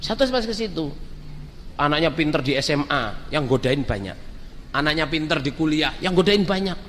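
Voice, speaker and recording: A man's voice: on the high side, a little fast, in a large hall, a little hiss or hum. A man preaching a sermon, telling stories and speaking straight to the congregation. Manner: storytelling, lively, addresses the crowd directly.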